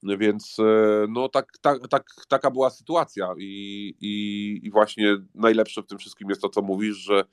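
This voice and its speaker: A man's voice: lowish voice, fairly even intonation, a little slow, few pauses, clean tone, dry recording, studio quality. A man speaking casually and hesitantly in a discussion, his voice nasal and blocked up from a head cold. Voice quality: nasal, blocked-nose voice as if pinching nose. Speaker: guest speaker.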